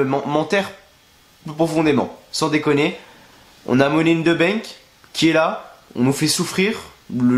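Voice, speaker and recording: Young man, stuffy with flu, slightly high voice, crude exasperated rant, echoey home room. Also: a bit bright. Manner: crude, exasperated, sarcastic ranting. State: sick with flu, congested. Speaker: wrestling review youtuber. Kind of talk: ranting video review. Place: at home, in a bedroom. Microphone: camera facing him.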